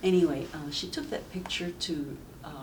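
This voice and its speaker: Speaking low and pausing often, a rural southern Chinese woman in her seventies looks back on her life for an oral history project. She's a native speaker of the Sayep village dialect, and the recording comes from a distant mic with a little background noise.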